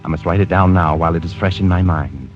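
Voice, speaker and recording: An actor playing a cold, precise male killer narrating his diary in a 1940s radio drama, calm, clipped and detached. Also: sits low, fast talker, natural voice. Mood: cold, clinical. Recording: dull old radio broadcast with music.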